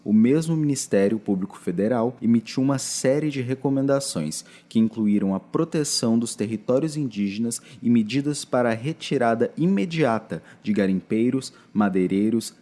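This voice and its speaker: A man's voice: medium pitch, warm tone. A man with a Brazilian accent reading scripted documentary narration for a podcast.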